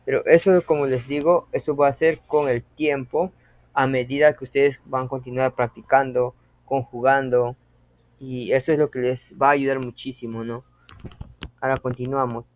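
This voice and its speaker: A man teaching a language lesson, explaining slowly and patiently and repeating example phrases with care. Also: mid-range voice, little pitch movement, no room sound. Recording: dry, tinny phone-like audio.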